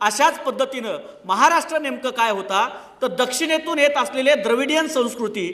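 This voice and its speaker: The voice is raised and projected, with ordinary pitch variation. Noticeable background noise is present. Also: man, extremely high pitch for a man. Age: 30s. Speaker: political speaker. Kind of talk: political speech. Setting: stage with audience.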